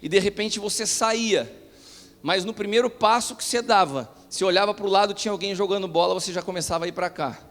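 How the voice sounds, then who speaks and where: High-voiced Brazilian pastor preaching in a hall. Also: male voice, fast talker, fairly bright tone. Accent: Brazilian Portuguese. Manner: acts out quoted dialogue, rises to emphatic preaching. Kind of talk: sermon. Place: large church hall. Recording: live church recording with hall reverb.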